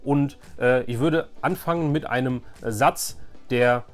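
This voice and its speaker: A man's voice: mid-range voice, slow. A middle-aged man chats in a casual, rambling way, like showing off old keepsakes. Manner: rambling, conversational. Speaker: nostalgia video host. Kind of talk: casual nostalgic show-and-tell.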